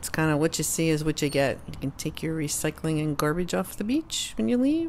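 A woman with ordinary pitch variation over light background noise. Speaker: beach vlogger. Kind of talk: casual vlog chat. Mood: cheerful, relaxed. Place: beach. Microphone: phone near.

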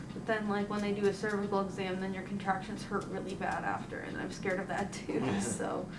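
Through loud background noise, a woman talks at a fairly quick pace with hardly any pauses. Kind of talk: casual vlog chat. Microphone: camera far.

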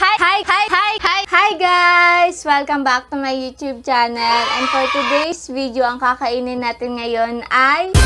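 Loud background noise under a woman's fairly slow speech. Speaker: food vlogger. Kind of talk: casual vlog chat. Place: home room. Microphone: phone near.

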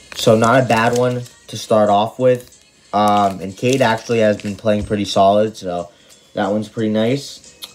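With music in the background, a man talks at a moderate pace and his pitch varies in an ordinary way. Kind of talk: casual vlog chat. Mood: relaxed, upbeat. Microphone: phone near.

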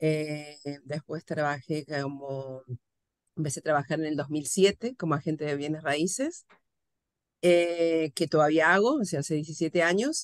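Against a quiet background with dry sound and no echo, a woman with an Argentine accent speaks fairly slowly in a very deep, low pitch with ordinary pitch variation. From Argentina. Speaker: civil rights case investigator and real estate agent; radio guest. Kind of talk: radio interview. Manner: hesitant, many fillers. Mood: friendly, relaxed. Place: office. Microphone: video call.

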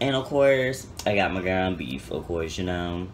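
Light background noise is present. A man talks over it. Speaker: home cooking vlogger. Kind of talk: casual vlog chat. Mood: playful, chatty. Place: kitchen. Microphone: phone near.

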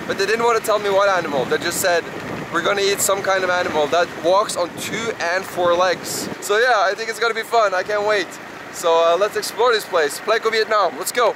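Over noticeable background noise, a man speaks at a fairly quick pace with a high pitch and ordinary pitch variation, the sound dry with no echo. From Norway. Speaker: travel vlogger. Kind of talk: casual vlog narration. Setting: outdoors. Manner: animated.

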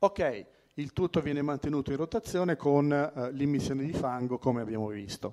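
The recording is dry and close-miked, free of any echo. His voice has a dark, mellow tone, and the man's intonation moves in a lively way. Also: moderate pace. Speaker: geology professor. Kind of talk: lecture. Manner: halting.

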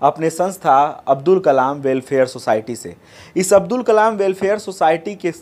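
This man's voice has a high pitch. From Deoria, eastern Uttar Pradesh, India; Uttar Pradesh, India. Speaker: news reporter. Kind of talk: interview; news report.

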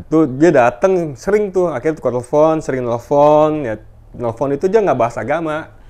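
Fairly high pitch for a man, with a dark, mellow tone at a moderate pace over a quiet background. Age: 30s. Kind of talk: testimony. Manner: animated.

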